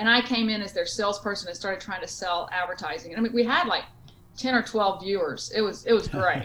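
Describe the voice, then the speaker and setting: A woman with a Louisiana accent talks at a very fast pace and medium pitch, with noticeable background noise behind her. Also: ordinary pitch variation. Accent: Cajun Louisiana, noticeable. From Lake Charles, Louisiana. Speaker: foundation founder, humanitarian. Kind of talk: casual interview chat.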